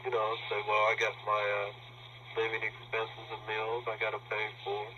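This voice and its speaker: A man's voice: lowish voice, completely flat delivery, moderate pace. A man on a phone call, talking bluntly and defensively, swearing casually. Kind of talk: tense phone conversation. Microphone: telephone. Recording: muffled phone recording with loud hiss.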